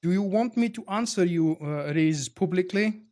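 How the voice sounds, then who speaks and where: A man's voice: sits high, moderate pace, darkish tone. A man from Bulgaria with a Bulgarian accent, casually chatting with viewers while streaming a game. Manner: chatty, reads and answers viewer chat. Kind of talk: casual live-stream chat.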